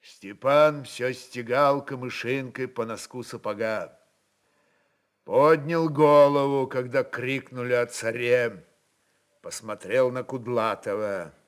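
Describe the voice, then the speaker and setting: A man narrating literary fiction for radio in an expressive, deliberate dramatic style. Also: mid-range voice.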